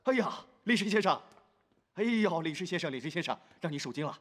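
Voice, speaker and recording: A man's voice: a little high, expressive, brisk. An actor playing a blustering, fawning police bureau chief in a Chinese period TV drama, fussy and repetitive in his pompous delivery. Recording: echoey hall reverb.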